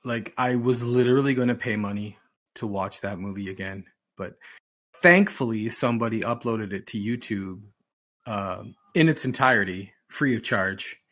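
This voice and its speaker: A man's voice: on the low side, moderate pace, fairly bright tone. Emphatic man chatting on a podcast. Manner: emphatic, exasperated, repeats himself for emphasis. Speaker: podcast host. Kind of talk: casual rambling podcast chat. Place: recorded podcast, audio only.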